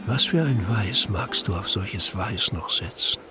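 A male actor plays a grave, contemplative reciter in a literary radio play. His voice sits fairly low and moves very slowly, solemn and measured, with music clearly playing behind it. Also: natural voice. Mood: reverent. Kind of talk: slow poetic recitation in German radio play.

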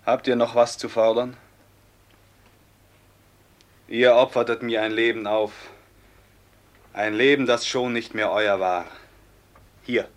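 An actor playing a young robber captain, torn and remorseful, declaiming intensely in a classic radio play. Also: male voice, medium pitch, fairly even intonation, slow pace, long pauses, close to an everyday voice. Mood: bitter.

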